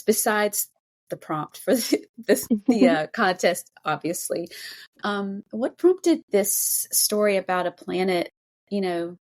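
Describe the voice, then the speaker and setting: A woman's voice: medium pitch, darkish tone. A woman hosting a podcast interview, talking casually and effusively. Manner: effusive, gushing. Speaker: podcast host and anthology editor.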